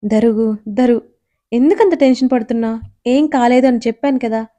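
A woman storyteller voicing a young man who is a teasing but caring old friend, speaking in a playful, gently reassuring way. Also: a little high, normal speed, close to an everyday voice.

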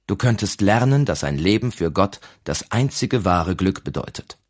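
A man reading the part of a grave, kindly abbot in an audiobook, speaking in a gentle, measured, solemn way. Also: deep voice, animated. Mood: encouraging.

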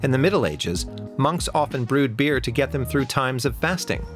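A man reads a scripted news report in a steady, measured voice. His pitch moves freely up and down. Soft music plays beneath the narration. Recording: voice-over with faint music.

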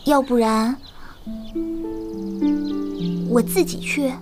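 A sweet, earnest younger fairy sister, played by an actress, speaking in a high voice with a pleading tone. Clear music plays behind her in this fantasy drama. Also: steady tone, moderate pace, lightly acted.

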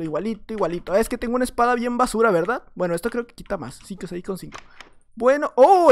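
A man with a Mexican accent giving playful, jokey gameplay commentary, swinging between loud excited outbursts and low mumbles. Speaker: gaming YouTuber.

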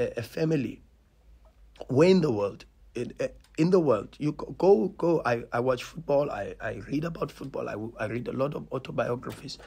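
A man's voice: medium pitch, gravelly, mellow, slightly rough. A South African man in his thirties, a football coach speaking passionately at a post-match press conference, repeating and restarting words for emphasis, at a table mic in a small press room. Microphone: table mic on stand.

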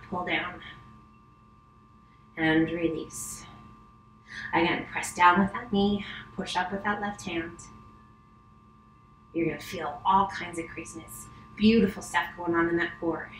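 A middle-aged woman instructs yoga in a lowish voice that stays very even. Her cues are gentle and unhurried, with soothing pauses between them. The room adds clear echo, and there is noticeable noise behind her. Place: wood-panelled living room, indoors. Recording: roomy echo, clear background noise, distant camera.

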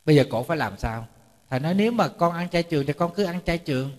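A man's voice: on the high side, animated, fast. A man, a Buddhist monk giving a chatty storytelling sermon, often repeating words and joking with his audience. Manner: jokes with the audience. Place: temple lecture hall. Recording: reverberant hall.

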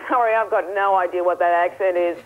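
A woman's voice: fairly low pitch, fairly even intonation, quick pace, phone-quality sound, background noise. A woman in her thirties with an Australian accent, telling a comic travel story in a wry, self-mocking way over a link to a TV studio. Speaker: comic correspondent. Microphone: earpiece link from a studio desk.

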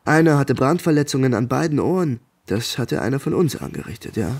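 An actor playing a troubled ex-legionnaire in a radio play, telling his story in short, halting fragments. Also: mid-range voice, animated, gravelly, a little mellow. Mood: grave, tense. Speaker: actor in an audio drama. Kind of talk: naturalistic German radio play acting.

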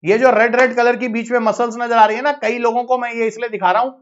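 A man with an Indian accent teaching biology in a live online exam-prep lecture, brisk and coaxing, repeating phrases to hurry his students along. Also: very high voice, little pitch movement. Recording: slightly dull lo-fi audio.

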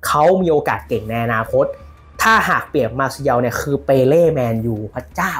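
A man giving casual football news commentary on his own channel, lively and animated, shouting out players' calls as he explains. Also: mid-range voice, a little fast.

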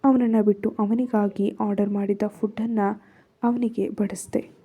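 A woman's voice: mid-range voice, little pitch movement, measured pace, breathy edge, phone-quality sound. A woman narrating a first-person love story in Kannada-accented speech, raising her voice for quoted lines.

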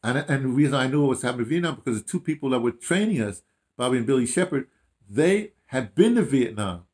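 Speaking fast in a mid-range voice, a man aged around his late sixties (60s or 70s) tells his life story as an audio dramatist during a casual, reminiscing chat. He's indoors in a small room at home, and his animated storytelling is full of repetition and self-quotation.

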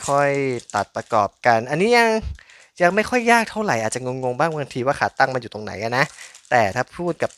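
A man's voice: medium pitch, very animated, a little fast, a bit bright, a little hiss or hum. A man giving casual, chatty unboxing commentary in an informal but polite way. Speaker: toy unboxing channel host.

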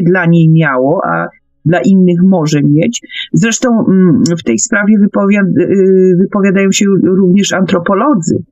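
A woman's voice: on the low side, darkish tone, no echo, highs cut off. A woman explains at length in a conversational radio discussion, hesitant and often searching for words. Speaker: speaker on a paranormal radio discussion.

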